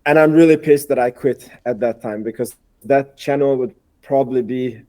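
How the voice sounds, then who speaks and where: Mellow-voiced man from Hungary, chatty. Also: medium pitch, moderate pace. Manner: chatty, repeats words, slightly non-native phrasing. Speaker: guest, investor and YouTuber. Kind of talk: casual podcast conversation.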